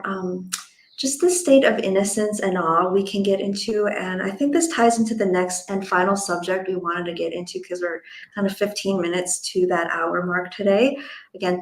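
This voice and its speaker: A woman's voice: medium pitch, echoey room, low-quality recording. A woman hosting a spiritual interview, speaking in a casual, gushing way peppered with "like" and "you know". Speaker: interview host.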